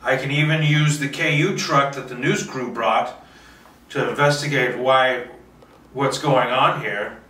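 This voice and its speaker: A man with a medium-pitched, pushed, bright voice speaks at a measured pace, rambling casually to himself while doing a solo table read as a filmmaker. He's playfully boastful and swears a little, captured by a distant mic in an echoey room.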